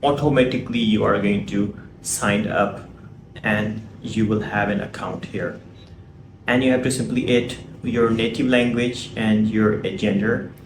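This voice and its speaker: Low-voiced man teaching English. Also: fairly even intonation, unhurried, echoey room, background noise. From Pakistan. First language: Urdu. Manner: explanatory, often ends with a tag question. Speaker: English tutor and app reviewer. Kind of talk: tutorial screen walkthrough.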